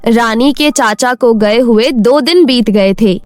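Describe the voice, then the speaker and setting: A woman's voice: a little high, slow. A woman narrating a moral bedtime story in a scripted storybook style.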